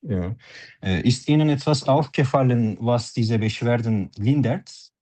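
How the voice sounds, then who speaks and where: A man's voice: mid-range voice, measured pace, dark tone. A man as a doctor taking a patient's history in a practice interview, speaking formally and politely. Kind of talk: role-played doctor-patient practice talk.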